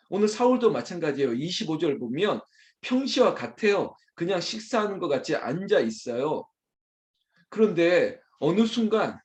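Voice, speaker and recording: A male pastor delivering an early morning sermon in an animated way. His voice sits a little high and moves widely in pitch as he addresses the congregation directly.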